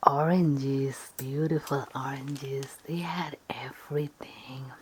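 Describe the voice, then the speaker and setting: Low, mellow woman whispering a slow story. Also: steady tone, slight background noise, poor audio. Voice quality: soft, breathy, slipping into whispers. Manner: unhurried, rambling, improvised-sounding with repeated phrases and lists. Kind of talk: ASMR storytelling, soft and part whispered.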